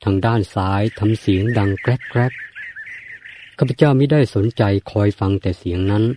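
A man reading a novel aloud as an audiobook narrator, in a measured and formal storytelling manner. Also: on the low side, warm tone, slight background noise.

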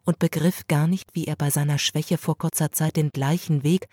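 A woman narrating a classic story as an audiobook, in a measured, steady storytelling manner. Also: low-pitched, husky, dry recording, studio quality.

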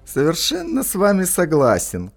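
A stiff, formal port official. His politeness is bureaucratic, and his fairly high voice rises and falls in very lively swings. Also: moderate pace, creaky, soft background music, full character voice.

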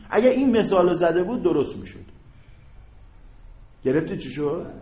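A male teacher giving a grammar lecture in a classroom, explaining step by step, prompting students to fill in words and asking check questions. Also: a little high. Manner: asks rhetorical check questions. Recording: roomy, dull lo-fi classroom recording.

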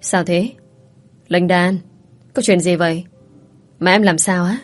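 A woman voicing a caring older female friend who talks briskly and worriedly. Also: lowish voice, steady tone, soft background music, close to an everyday voice. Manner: brisk, worried, scolding kindly.

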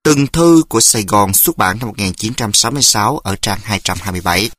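A man reading an essay aloud as audiobook narration, in a steady, explanatory way. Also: on the low side, fast talker, dry recording. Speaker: audiobook reader.

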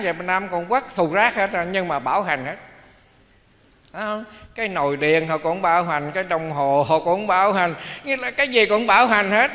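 A man's voice: high voice, bright, forceful tone, in a large hall. A man, a Buddhist monk, giving a dharma talk in a folksy storytelling way, acting out the people in his stories.

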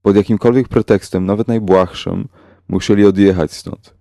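A man narrating a horror story in a slow, measured, grave way. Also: lowish voice, steady tone, gravelly, dark tone, dry recording, studio quality. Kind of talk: scripted horror audiobook narration.

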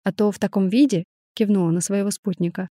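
A woman narrating a story aloud, reading each character's lines with expressive acting. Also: medium pitch, fast, dry recording, studio quality. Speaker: audiobook narrator. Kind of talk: scripted narration with acted dialogue.

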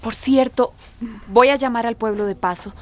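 A woman's voice: a little high, normal speed, close to an everyday voice. A woman playing a tender migrant mother. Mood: affectionate. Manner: tender, chatty, concerned. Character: warm affectionate middle-aged migrant mother. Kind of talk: radio drama acting.

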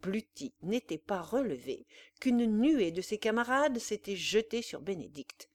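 A woman's voice: mid-range voice, very animated, a little slow, dry recording. Woman reading a classic novel aloud. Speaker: audiobook reader. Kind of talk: scripted literary narration.

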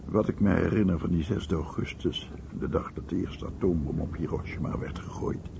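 A man's voice: deep voice, moderate pace, gravelly. An actor voicing a war veteran airman, soberly recalling his flights in a documentary voice-over. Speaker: voice actor reading a veteran's memories. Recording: dull sound with loud background noise.

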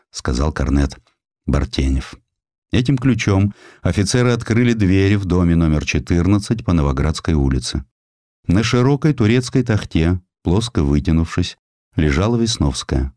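A man reading scripted literary historical prose as an audiobook narrator, in a measured, dramatic storytelling manner with deliberate pauses. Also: sits low, a little mellow, no room sound, studio quality.

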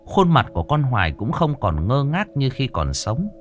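A man narrating a ghost story in a dramatic, expressive way. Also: mid-range voice, normal speed, soft background music.

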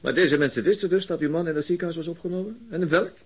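An actor playing a brooding, weary middle-aged police inspector in a radio play, with terse, probing, self-questioning delivery and a husky voice. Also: male voice, fairly high pitch, rapid-fire, a little hiss or hum, lightly acted, poor audio. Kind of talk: radio play acting, inner monologue and questioning.

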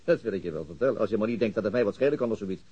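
Man a reserved police detective: husky, terse, brisk, noncommittal, on a slightly muffled radio-drama recording. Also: on the low side, expressive, mellow. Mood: dry. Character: reserved, laconic male police detective from the capital. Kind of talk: naturalistic radio drama dialogue.

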